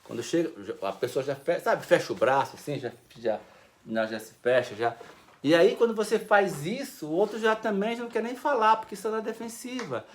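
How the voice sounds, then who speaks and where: A man's voice: high voice, a little fast. A man with a Brazilian Portuguese accent giving a conversational talk on family life, often acting out short dialogues. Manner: animated, conversational, acts out little dialogues. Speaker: family counselor speaker.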